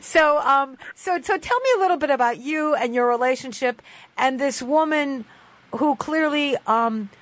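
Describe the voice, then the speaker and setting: A woman radio host who reads a poem slowly and solemnly. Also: high voice, no room sound. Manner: reads the poem slowly and solemnly, then talks emotionally and warmly to the guest. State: tearful. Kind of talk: radio talk show, poem reading then interview. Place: radio studio.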